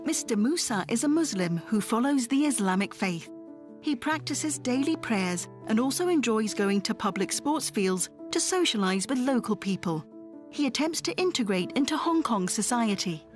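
A woman narrates a documentary from a script. Her voice is fairly high and moves animatedly in pitch, with prominent music playing underneath. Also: expressive, moderate pace. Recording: music behind the voice.

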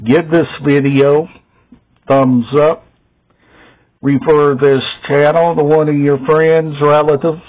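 Very slow, halting middle-aged man. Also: mid-range voice, narrow, tinny audio. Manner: halting, short phrases with long gaps. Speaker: video host showing a music collection. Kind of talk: casual show-and-tell vlog. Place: small indoor room at home.

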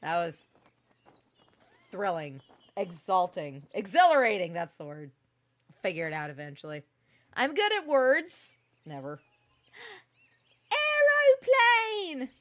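A woman's voice: fairly low pitch, sing-song, unhurried, long pauses. Playful, foul-mouthed woman streamer. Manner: playful, sarcastic, swears freely, mock accents. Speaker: voice actor streaming gameplay. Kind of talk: casual gameplay commentary.

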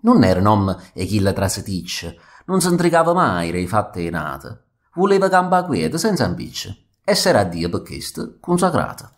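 A man with a Neapolitan accent reciting comic dialect verse in a rhythmic, expressive, theatrical way. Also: on the low side, normal speed. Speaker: actor reading verse.

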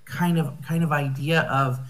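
American woman, slightly low voice, academic speaker on a video call, reflective and searching for words. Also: fairly even intonation, moderate pace. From United States. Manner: thoughtful, rephrasing often, with fillers. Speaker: conference speaker. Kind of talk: academic conference talk.

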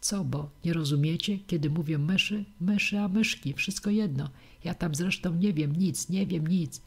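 A woman's voice: on the low side, moderate pace, gravelly, husky. A woman voicing a fearful, evasive old village witch in an audiobook, whispering and rising shrilly. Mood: secretive.

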